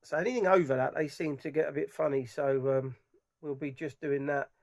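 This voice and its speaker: A middle-aged man giving rambling, enthusiastic impressions of loudspeakers from a dark room at home. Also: fairly high pitch, fairly even intonation, brisk, no room sound, studio quality. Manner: rambling, enthusiastic, many restarts. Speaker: audio hobbyist vlogger. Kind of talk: casual product impressions.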